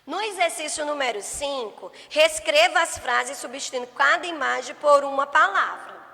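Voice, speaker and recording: A woman teaches young children, drawing out each syllable and pausing often to check that they follow. Her voice sits high and bright, and she speaks slowly. A long reverb trails behind her words. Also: animated, vocal fry. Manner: slow, drawn-out syllables, frequent "né?" and "certo?" checks. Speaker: primary school teacher. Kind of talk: remote class lesson.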